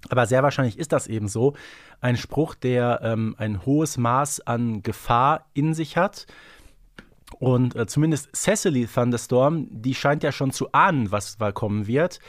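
A man's voice: mid-range voice, measured pace, no echo, studio quality. A man co-hosting a podcast, explaining things in casual analytical chat with emphatic turns and tag questions. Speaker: podcast co-host.

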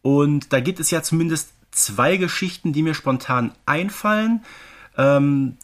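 A man's voice: a little high, lively intonation, a little slow, fairly bright tone. A man with a German accent co-hosting a fan podcast, explaining things conversationally and checking for agreement. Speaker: podcast co-host.

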